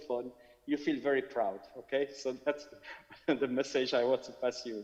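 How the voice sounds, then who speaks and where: At a moderate pace, a man with a Moroccan accent speaks in a fairly high pitch with a dark, mellow tone and fairly even intonation. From Morocco. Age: 60s. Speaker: scientist and entrepreneur. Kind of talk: panel discussion. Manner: halting, many fillers.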